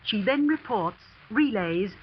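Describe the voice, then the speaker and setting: Grave housekeeper, hushed and earnest, lively pitch, 1940s radio drama, muffled with faint hiss. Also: female voice, takes it slowly. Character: grave older woman housekeeper, confiding.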